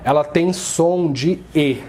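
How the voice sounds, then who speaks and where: Brazilian man as a patient teacher, slow mellow voice, careful pronunciation drills. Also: a little high, slight background noise. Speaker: astrology teacher. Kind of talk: introductory lesson.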